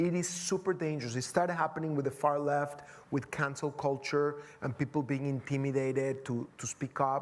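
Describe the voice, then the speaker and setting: With a Spanish accent, a man talks at a moderate pace in a fairly high pitch and fairly even intonation, recorded very cleanly over a silent background. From Mexico City, Mexico. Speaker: business executive. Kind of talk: interview conversation.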